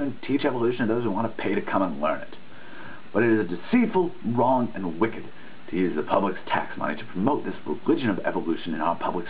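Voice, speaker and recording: A man giving a dramatic reading of a written text, earnest and emphatic in a preachy way, now and then stumbling over a word. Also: lowish voice. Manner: earnest, emphatic, preachy delivery with occasional misreadings. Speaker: reader of a dissertation. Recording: tinny phone-like sound with faint noise.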